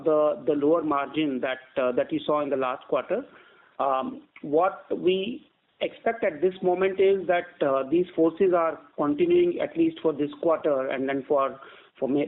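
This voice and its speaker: Over a narrow, tinny phone line, a male company executive answers questions on an earnings call. His voice sits a little high for a man. He explains in a measured but halting way, repeating words as he goes.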